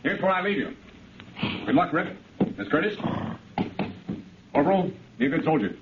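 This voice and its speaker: An actor playing a crisp, explanatory army intelligence lieutenant in a 1950s radio drama. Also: male voice, fairly high pitch, animated, moderate pace, heavy background noise, lightly acted. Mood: brisk. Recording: tinny 1950s radio broadcast.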